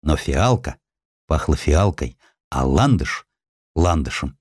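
A man narrating a historical sketch for a radio production, with an expressive, varied storytelling delivery on a close studio mic. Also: extremely low pitch, takes it slowly, husky, no room sound.

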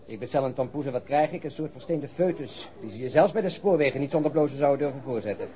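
An actor playing a sardonic police detective who has quit smoking and makes dry, sarcastic jokes. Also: male voice, medium pitch, fast talker, mellow, natural voice. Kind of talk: radio drama acting.

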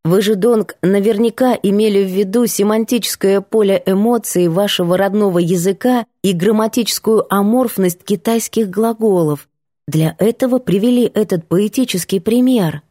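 A woman narrating a novel in the first person, with expressive, ironic storytelling. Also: medium pitch, moderate pace, no echo, studio quality. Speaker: audiobook narrator.

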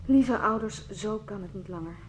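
An actress playing an exhausted, resolute young sister in a radio drama, speaking insistently and with emphasis. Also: female voice, mid-range voice, moderate pace, over music, lightly acted. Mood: desperate, resolute. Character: exhausted, resolute young sister turning against her brother.

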